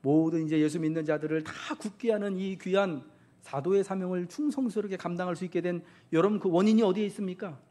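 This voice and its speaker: A man's voice: high voice, fast talker, mellow. A man preaching a Sunday sermon as pastor, asking the congregation questions and acting out quotes.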